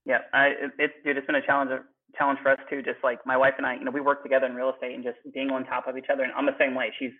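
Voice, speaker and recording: Fast-talking husky man on a tinny line. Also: mid-range voice, completely flat delivery. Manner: fast, filler-heavy and self-deprecating, full of "like". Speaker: guest turned interviewer. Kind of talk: casual podcast chat. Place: home garage.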